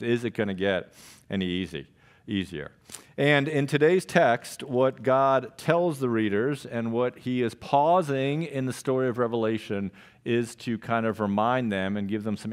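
Animated male pastor preaching on stage. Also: medium pitch. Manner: animated storytelling, gestures widely, acts out his own reactions. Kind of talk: sermon. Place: church stage with purple backlit wall.

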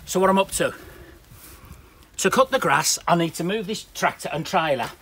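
A man's voice: high voice, expressive, moderate pace, fairly bright tone, husky. Chatty blunt British man outdoors. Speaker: smallholder vlogger. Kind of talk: casual chat to camera. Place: outdoors in a garden.

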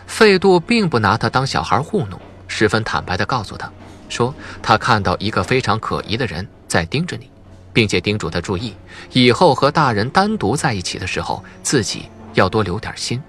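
A man's voice: on the low side, very animated, normal speed, a bit bright. A man narrating a suspense novel as a dramatic scripted audiobook. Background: faint music.

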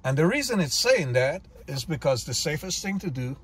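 His voice is fairly high, a bit bright and breathy, with a sing-song quality at a moderate pace. An older mechanic and master diagnostic technician, he explains car features step by step in a plain, methodical way, with small slips. He's outdoors in a dealership parking lot, then inside a car.

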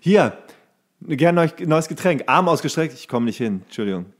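A man's voice: a little high, animated, normal speed. A man co-hosting a podcast, chatting casually in colloquial slang and acting out quotes as he tells stories. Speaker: podcast co-host, former bartender. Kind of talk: casual anecdote chat between friends.

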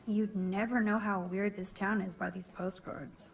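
A woman's voice: mid-range voice, fairly even intonation, measured pace, creaky, soft background music, rough recording. A young woman voicing an observant teenage student in a video game, with dry, wry musings.

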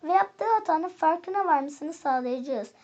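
A woman reading a storybook, voicing the oldest toy, a sad and wise white teddy bear who speaks gently. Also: very high-pitched, expressive, measured pace, dull audio, heavily acted. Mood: scheming. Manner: gentle rhyming, sorrowful pleading.

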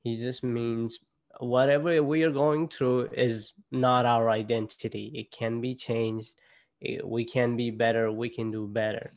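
Slow gravelly young man with a Nepali accent. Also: medium pitch, level tone, a little mellow, highs cut off. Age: young adult. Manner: halting, with frequent fillers and restarts. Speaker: student ambassador presenter. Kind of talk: casual online presentation. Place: indoor room at home. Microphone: laptop webcam on a video call.

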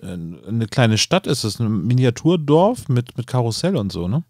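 A man's voice: mid-range voice, very animated, moderate pace, darkish tone, no room sound, studio quality. A man chatting casually as a podcast co-host and taking part in a quiz with friends. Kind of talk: casual chat.

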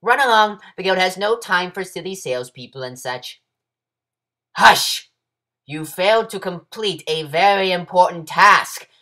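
A man's voice: sits high, animated, measured pace, sharp tone, exaggerated voice. A man voicing a bossy, fussy bird who is second-in-command of a guild, in a stern, clipped, scolding manner. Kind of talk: character voice audition.

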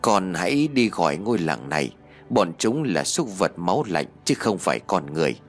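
A man's voice: sits low, big pitch swings, moderate pace, faint music behind. A man voicing a dying parent's bitter curse. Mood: cursing. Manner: cursing, spiteful.

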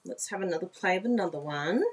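A woman's voice: on the low side, lively intonation, fast talker, slightly rough. A woman, chatting through a live craft demonstration, exclaiming and laughing often and asking viewers if they agree. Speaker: papercraft demonstrator. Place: indoor craft room at a desk.

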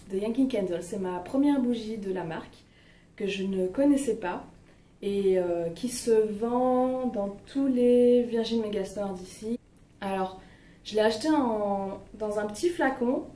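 A warm, mid-range voice belongs to this young vlogger, who chats informally about her favorite beauty products. She's hesitant and uses many fillers; the room sounds spacious, the mic far off, with faint background noise.

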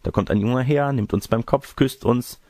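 Man voicing a lecherous gravelly wolf in granny disguise. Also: mid-range voice, moderate pace, darkish tone, dry recording, studio quality, pitched above the performer's own voice, close to an everyday voice. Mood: wheedling. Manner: wheedling, boastful, crude. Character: lecherous wolf-sorcerer disguised as a grandmother, smug and testy. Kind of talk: storybook character reading.

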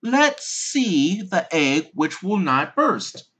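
Narrator as a bossy old duck, very animated. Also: mid-range voice, extremely slow, slightly rough, pitched above the performer's own voice, full character voice, low-quality recording. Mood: bossy, insistent. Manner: opinionated, insistent. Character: bossy, know-it-all old visiting duck.

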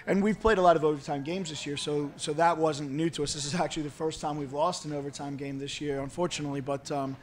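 A middle-aged man, a college soccer head coach, giving measured, halting remarks at a post-match press conference. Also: on the high side, steady tone. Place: indoor press conference room, seated at table. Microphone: handheld-style microphone on table stand.

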